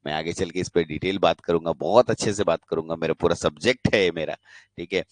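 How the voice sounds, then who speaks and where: A young man with a very low voice leads a live online polytechnic class, speaking Hindi with a Bihari accent. He slips English technical terms into his explanations and keeps asking his students whether they follow. The sound is dry and close, with no room around it. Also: fairly quick, no echo. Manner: explains in Hindi mixed with English, checks in with frequent questions. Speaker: polytechnic teacher.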